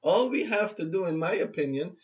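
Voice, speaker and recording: A Barbadian man in his fifties speaks in a fairly high register, giving an earnest, exhorting motivational talk. He often circles back and repeats words for emphasis. The recording is muffled and lo-fi. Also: lively intonation, fairly quick. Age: 50s. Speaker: motivational speaker and radio host.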